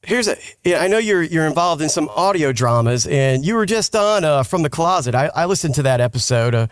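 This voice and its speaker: A man's voice: a little high, lively intonation, a little fast. A man hosting a podcast in casual interview chat, chiming in responsively. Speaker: podcast host.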